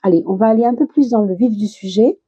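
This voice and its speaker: A woman giving a casual tarot reading to her viewers, chatty and reassuring with many little restarts, her words a bit slow while she gets over a minor illness. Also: medium pitch, warm tone, breathy edge, dull audio. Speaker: tarot reader.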